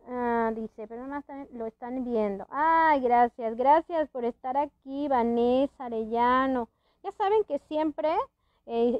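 A high-pitched woman chats casually on a live stream, rambling and restarting often, her words slightly thick from a dental palate. The sound is dry and a little dull. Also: clean tone, dry recording. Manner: rambling, many restarts and fillers, laughs often. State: wearing a dental palate that hampers her speech. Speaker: host. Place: indoors at a friend's house.

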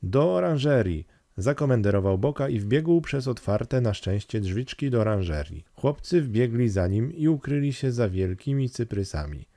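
A man narrating an audiobook in a steady storytelling read. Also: medium pitch, normal speed, few pauses, dry recording. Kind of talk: scripted narration.

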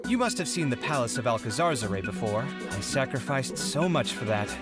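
An actor playing a cheerful yet fretful young male architect in a video game trailer, expressive and theatrical. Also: mid-range voice, fairly quick, lightly acted. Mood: wistful, rueful. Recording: game trailer audio under loud music.

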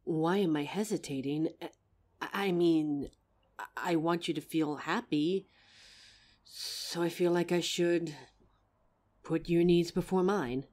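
A woman voicing a soft, tender werewolf girlfriend. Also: on the low side. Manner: tender, slow, grounding exercise. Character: gentle young female werewolf girlfriend. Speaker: voice actor. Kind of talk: F4A audio roleplay.

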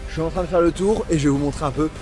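A man's voice: on the high side, racing, a little mellow, faint music behind. A young man in his twenties, talking to a handheld camera as he walks around a football stadium, chatty and enthusiastic as he explains what he sees. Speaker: football vlogger. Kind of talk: casual walk-and-talk vlog narration. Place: outdoors around a football stadium, then in the stands. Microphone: handheld camera at arm's length.

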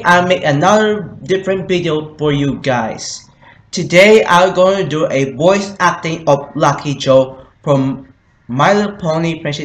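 Slow, high-voiced man hosting a video. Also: roomy sound. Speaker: amateur voice actor, video host. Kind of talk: casual video intro and sign-off.

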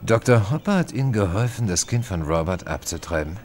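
A man's voice: lowish voice, animated, brisk, darkish tone. A man playing a grave demon hunter who asks terse, pressing questions in a German horror radio play. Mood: grave, probing.

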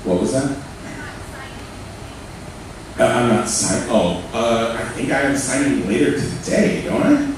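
A man's voice: mid-range voice, measured pace, long pauses. A man moderating a live panel on a stage, speaking into a handheld mic in a rambling, friendly, self-deprecating way. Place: stage in a large auditorium. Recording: echoey hall, distant mic, noisy.

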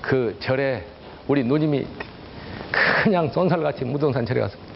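A man's voice: medium pitch, a little fast, gravelly, a little hiss or hum. An older man, a church elder, telling his testimony to a congregation, acting out the voices of people in his story and speaking straight to his listeners. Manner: dramatic storytelling, acts out quoted voices, addresses audience. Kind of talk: testimony sermon. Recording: dull recording with faint ambience.

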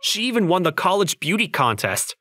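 A man's voice: high voice, fairly quick, no echo, exaggerated voice. A man voicing a flustered, skeptical young office worker in a manga dub, sounding incredulous and given to inner narration. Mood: wistful musing. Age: young adult. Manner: exasperated, incredulous, animated.

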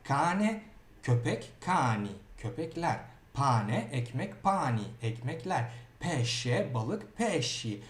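Lively man teaching, echoey room. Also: medium pitch. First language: Turkish. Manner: lively, repeats words and asks "okey?". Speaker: Italian teacher. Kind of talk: grammar lesson.

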